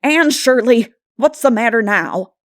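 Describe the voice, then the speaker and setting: A woman voicing a stern, exasperated, practical older guardian woman with a brisk, scolding manner in an audiobook. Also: fairly high pitch, lively intonation, no echo, studio quality, voice pushed up. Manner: brisk, scolding, matter-of-fact. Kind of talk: dramatic audiobook character voice.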